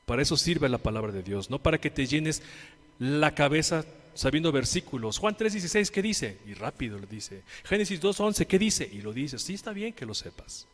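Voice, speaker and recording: A man's voice: lively intonation, normal speed. Mexican man preaching in a reverberant hall. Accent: Mexican Spanish. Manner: preaching with rhetorical questions and call-and-response; swings between loud emphatic lines and quiet low ones. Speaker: pastor. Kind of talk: sermon.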